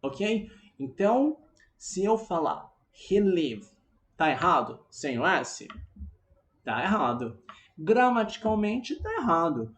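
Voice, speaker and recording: A teacher with a Brazilian Portuguese accent giving an online English lesson, drilling example sentences slowly and often checking in with the class. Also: mid-range voice, very animated.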